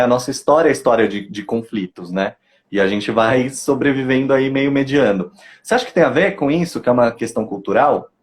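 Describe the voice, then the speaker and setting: Brazilian man hosting a casual interview. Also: medium pitch. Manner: conversational, asks long framing questions. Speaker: host, English teacher.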